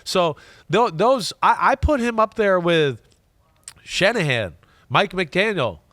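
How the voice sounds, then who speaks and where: A middle-aged man breaks down football plays with a congested, sniffly voice that sits a bit high for a man. He talks emphatically and leans on "right?" to keep his co-host with him. The studio sound is dry and close. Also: big pitch swings, takes it slowly, fairly bright tone, no echo. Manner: emphatic, repeats words and restarts, rhetorical "right?". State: stuffy, congested nose. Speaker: podcast host, former quarterback. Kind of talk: casual sports analysis chat. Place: studio desk.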